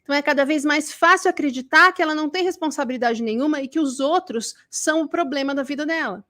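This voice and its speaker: A Brazilian woman giving a live online class on burnout recovery in a lively manner, acting out the people she quotes. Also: sits high, quick pace.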